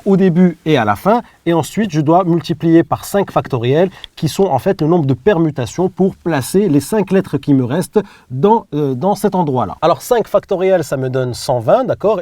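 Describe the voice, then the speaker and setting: A man teaching an online math lesson, explaining step by step and often checking with a quick question. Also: on the high side, dark tone, no room sound. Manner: repetitive, checks understanding with "d'accord?".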